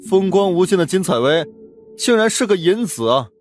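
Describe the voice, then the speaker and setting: An actor playing a flippant, excitable rich young policeman in an audiobook drama. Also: sits high, moderate pace. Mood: astonished. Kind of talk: exaggerated audiobook drama acting. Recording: music under the voice.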